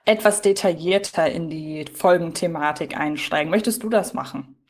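A woman's voice: on the low side, normal speed. A woman hosting a podcast, casually discussing audio dramas in conversation. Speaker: podcast host.

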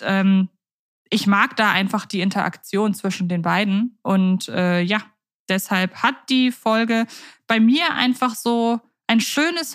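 Woman, podcast co-host, measured and thoughtful, dry recording, middle pitch. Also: no room sound. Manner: measured, thoughtful, hesitant with fillers. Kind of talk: casual chat about radio plays.

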